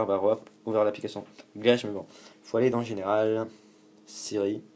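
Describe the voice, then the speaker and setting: A man's voice: on the low side, mellow, slight background noise. A man from France hosting a casual tech tutorial, rambling and correcting himself, with the odd swear word. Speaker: tutorial host.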